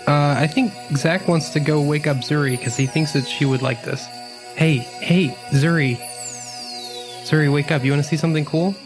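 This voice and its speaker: A man's voice: on the high side, steady tone, moderate pace. Casual, hesitant guy roleplaying over music. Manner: hesitant, rambling, slangy. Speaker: tabletop game player. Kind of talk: casual in-character roleplay among friends. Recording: music playing under the voice.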